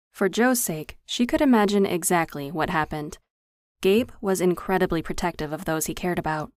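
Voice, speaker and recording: Woman reading an audiobook, low voice, steady even storytelling, dry close mic. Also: no echo. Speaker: audiobook narrator. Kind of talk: scripted narration.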